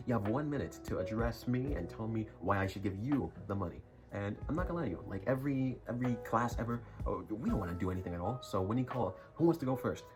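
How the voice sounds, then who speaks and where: A man's voice: on the low side, expressive, fast talker. A young man telling a rambling school story in a casual vlog, full of jokey, self-mocking asides. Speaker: YouTuber. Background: music.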